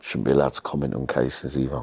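A man's voice: a bass voice, steady tone, fast, vocal fry, darkish tone, slightly rough, dry recording. A middle-aged man, chatting casually as a podcast guest and telling stories in a rambling, slangy way. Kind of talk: casual chat, personal storytelling.

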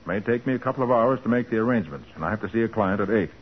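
Deep-voiced, commanding 1940s radio detective man. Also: animated, slightly rough. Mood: calm, firm. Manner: brisk, authoritative. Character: calm, commanding male private detective. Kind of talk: 1940s radio drama acting. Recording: noisy, muffled old radio broadcast.

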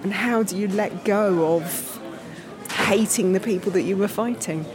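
A woman's voice: mid-range voice, unhurried. A middle-aged woman visiting a museum, reflecting aloud and asking rhetorical questions. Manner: thoughtful, asks rhetorical questions. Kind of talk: reflective interview answers. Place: busy museum gallery indoors. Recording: busy museum crowd behind.

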